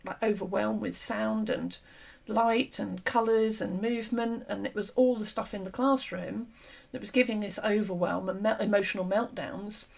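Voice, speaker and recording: A woman hosting an interview and talking through an idea in an earnest, explanatory way, her voice fading and a little hoarse. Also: mid-range voice. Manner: earnest, explanatory, with frequent fillers and restarts. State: losing her voice. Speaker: host. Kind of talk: conversational discussion.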